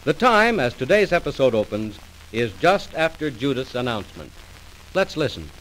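A man's voice: mid-range voice, sing-song, normal speed, a bit bright. A man announcing in old-time radio style, reading scripted ads and story recaps on a noisy old recording.

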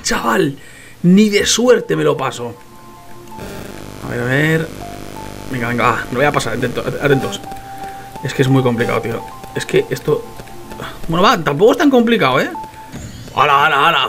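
Excitable young Spanish gamer man. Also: on the high side. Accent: Spain Spanish. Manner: excitable, swears often, talks to viewers. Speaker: gaming youtuber. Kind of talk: casual gameplay commentary.

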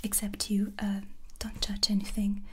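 A woman playing a gentle witch who teaches potions, with a French accent, in a hushed ASMR roleplay. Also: medium pitch, monotone, unhurried, a little hiss or hum, close to an everyday voice. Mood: fretful. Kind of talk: whispered cinematic ASMR roleplay. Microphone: close ASMR microphone.

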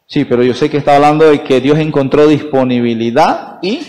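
A man's voice: a little high, a little fast, darkish tone, a little hiss or hum. A man preaching a sermon at Mass as a priest, emphatic, asking the congregation questions and answering them himself. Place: church. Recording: long church reverb.

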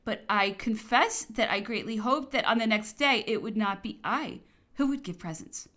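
High, bright woman reading a memoir. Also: animated. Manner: measured, with occasional amused laughter. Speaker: audiobook reader.

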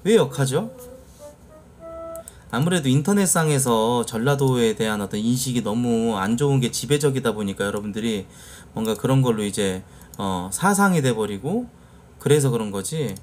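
Male streamer, casual chat, very lively intonation, animated storyteller. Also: medium pitch, normal speed, slight background noise. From Jeolla, South Korea. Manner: animated storyteller acting out quoted lines. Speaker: live streamer.

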